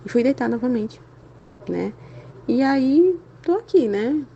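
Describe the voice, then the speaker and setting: An adult woman giving a casual spiritual talk for a Catholic channel, chatty and animated, sprinkling "né?" through her speech while feeling unwell and weary. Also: high voice, slow pace, lo-fi sound, slight background noise. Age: adult with a school-age son and husband. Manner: chatty, constant "né?" tags, animated exclamations.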